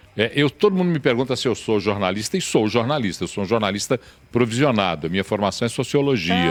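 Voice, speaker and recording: A man talks at a very fast pace and a medium pitch. His intonation is lively. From interior of São Paulo state, Brazil. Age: 60s. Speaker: radio host and journalist. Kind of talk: interview.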